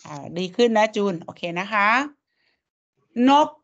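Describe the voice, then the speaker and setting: A woman's voice: a little fast, a bit bright. A woman teaching a language lesson, coaxing students and drilling sounds syllable by syllable. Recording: dull lo-fi audio.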